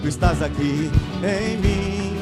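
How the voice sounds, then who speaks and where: Brief: Brazilian male worship leader, high voice, leading the congregation in song over a loud band. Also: takes it slowly. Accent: Brazilian Portuguese. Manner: leads the congregation with call-outs between sung lines. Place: church sanctuary. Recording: loud band music under the voice. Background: live band music.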